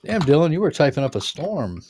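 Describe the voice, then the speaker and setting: A man's voice: a little high, very animated, brisk. A man hosting a gaming livestream, chatting casually while he plays. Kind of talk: casual chat while playing a golf game. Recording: background noise with keyboard clicks.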